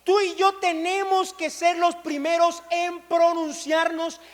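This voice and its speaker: A man's voice: very high voice, level tone, slow. A male pastor preaching a sermon, urging his congregation to repeat phrases back to him. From Colombia. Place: large church hall. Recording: long hall reverb.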